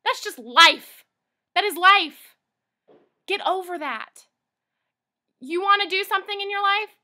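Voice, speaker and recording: A woman in her thirties, a weight-loss coach, talking straight to camera in an emphatic, exclamatory way, moving between loud pep talk and soft confession. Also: very high-pitched, unhurried. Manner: emphatic, exclamatory, pleading with the viewer. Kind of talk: casual direct-to-camera testimonial.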